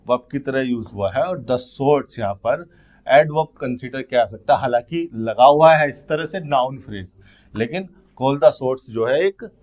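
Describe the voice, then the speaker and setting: Reading English questions slowly and explaining each step, a man teaches grammar in a lesson aimed at exam preparation. His voice is mid-range with a darkish tone.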